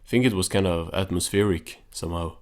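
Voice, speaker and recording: A man's voice: sits low, a little fast, a little mellow. A man recapping a cartoon as host, in a casual, understated, offhand way.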